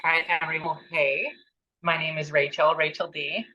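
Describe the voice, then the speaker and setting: A woman in her early thirties co-hosting a casual podcast chat from home, relaxed and plain-spoken. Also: deep voice, normal speed, muffled recording. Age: 30s. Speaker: podcast co-host. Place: own home, remote call.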